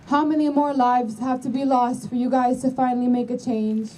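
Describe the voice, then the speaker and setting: A woman's voice: high voice, level tone, normal speed, mellow. A young woman student leading a rally with a solemn, impassioned speech. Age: young adult. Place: outdoor school campus. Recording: distant mic, faint outdoor noise.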